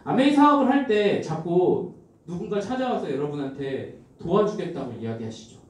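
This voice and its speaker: A middle-aged man giving a motivational seminar talk, telling stories in an animated way and speaking straight to the audience. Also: high voice, normal speed, slight background noise. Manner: animated storytelling, addressing the audience directly. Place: large seminar hall. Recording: very echoey hall, distant mic.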